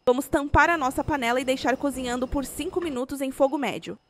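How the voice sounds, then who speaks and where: A woman's voice: high-pitched, fast, fairly bright tone, a little hiss or hum. A woman with a Brazilian Portuguese accent, reading a scripted recipe voice-over as host.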